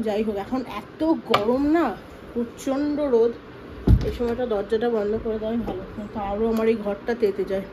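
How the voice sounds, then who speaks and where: A young woman with a West Bengal Bengali accent, vlogging at home, coaxing her small children in a sing-song voice and chatting calmly to viewers. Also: on the high side, brisk, noisy background. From West Bengal, India. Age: 20s. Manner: calm chatty asides to viewers. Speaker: vlogger and mother. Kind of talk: casual home vlog. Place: apartment at home.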